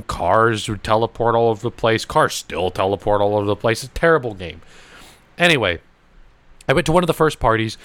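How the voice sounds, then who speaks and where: A man's voice: medium pitch, clean tone, no echo. A young man hosting a podcast, telling a rambling story with lots of swearing and laughter. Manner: swearing, laughing, animated anecdotes. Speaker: podcast host. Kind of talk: casual storytelling chat.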